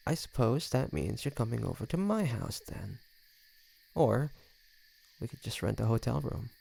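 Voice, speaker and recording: Man playing a slow, low, smug vampire. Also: vocal fry, darkish tone, husky, full character voice. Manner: sardonic, flirtatious, drawling with sighs and chuckles. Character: teasing, smug century-old male vampire, suave and predatory. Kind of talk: roleplay audio drama, intimate one-sided dialogue.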